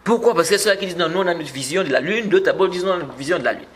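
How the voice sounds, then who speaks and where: A man's voice: high-pitched, very fast, a bit bright. A man giving a religious lesson, explaining patiently, repeating words and rising when he stresses a point. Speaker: Islamic teacher.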